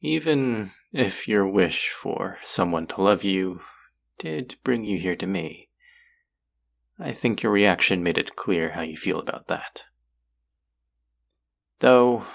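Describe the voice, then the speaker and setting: A man playing a courtly, possessive demon in a roleplay audio drama, speaking formally and deliberately in a husky, gravelly voice. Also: low-pitched, expressive, heavily acted. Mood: solemn, coaxing. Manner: formal, slow, deliberate, coaxing. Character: possessive, courtly male demon who hungers for hearts. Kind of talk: scripted roleplay audio drama addressed to the listener.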